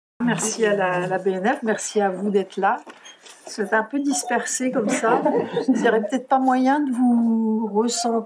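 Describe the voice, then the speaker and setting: Over noticeable background noise, a woman speaks at a fairly slow pace with very even loudness. Her pitch is fairly high, with ordinary variation. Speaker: interviewer, event host. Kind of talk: live talk moderation. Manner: hesitant.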